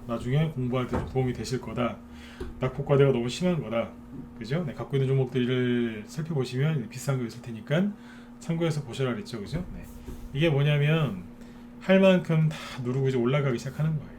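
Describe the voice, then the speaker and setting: A man's voice: mid-range voice, fairly quick, darkish tone, a little hiss or hum. A man giving a live stock market lecture to viewers, talking in a chatty way and often checking in with them through short tag questions.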